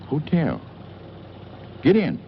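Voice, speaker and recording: An actor playing a folksy small-town local in a 1940s film. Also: male voice, a little high, huge pitch swings, takes it slowly, creaky, heavily acted. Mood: gruff, easygoing. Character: folksy small-town man giving a stranger a lift. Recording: dull, noisy 1940s film soundtrack.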